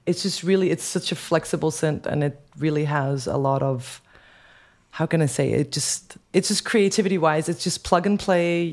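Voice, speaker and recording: Deep-voiced woman chatting about gear. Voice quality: deep, dark voice. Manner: enthusiastic, hesitant with many fillers and restarts. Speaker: music producer guest. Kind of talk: casual podcast chat.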